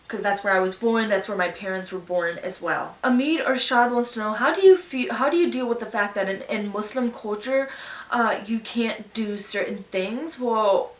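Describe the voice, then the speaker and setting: A woman's voice: mid-range voice, recorded from a distance. A young woman from Pakistan, chatting casually as a YouTuber answering viewer questions in an earnest, reflective way. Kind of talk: casual Q&A chat. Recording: echoey room, voice a bit off-mic.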